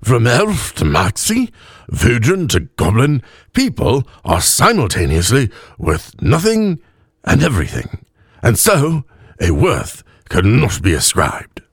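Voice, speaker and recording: A man voicing an earnest, drunken old elf cleric with slurred, halting speech and an invented elvish accent. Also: medium pitch, huge pitch swings, slightly rough, dry recording, clean studio sound, voice pushed up, heavily acted. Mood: earnest, tipsy. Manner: halting, stumbling over words. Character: drunken two-hundred-year-old male elf cleric, earnest, rambling.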